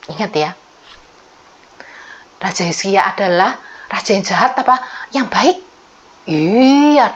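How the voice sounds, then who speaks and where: A woman Sunday school teacher from Surabaya with an Indonesian accent, telling a Bible story to children in an animated way, often asking them questions and acting out the characters' words. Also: on the high side. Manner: acts out characters' speech in the story. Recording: slightly dull lo-fi sound.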